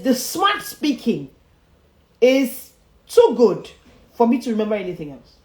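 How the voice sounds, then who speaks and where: A woman, a speech coach teaching viewers emphatically, repeating her key phrases and often chuckling. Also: mid-range voice. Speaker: public speaking coach. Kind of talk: motivational livestream teaching. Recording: roomy echo.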